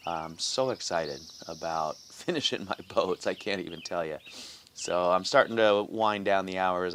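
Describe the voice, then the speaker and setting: A middle-aged man with a notably deep voice talks to his viewers in an upbeat, rambling morning chat. He fills pauses with "um" and restarts his sentences. He is recorded outdoors by his house, with faint birds and crickets behind him. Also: slight background noise. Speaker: vlog host. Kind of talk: casual morning video diary.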